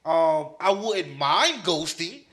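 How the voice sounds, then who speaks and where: A man's voice: a little high, expressive, takes it slowly, fairly bright tone. A man co-hosting a casual chat, speaking in short, slangy interjections. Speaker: podcast co-host.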